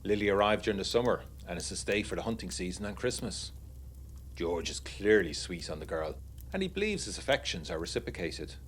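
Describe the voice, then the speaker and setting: A man's voice: low-pitched, big pitch swings, fairly quick, slight background noise. An actor playing a genteel, uneasy young war veteran narrating his letters in a literary, wryly confiding way for a gothic period audiodrama.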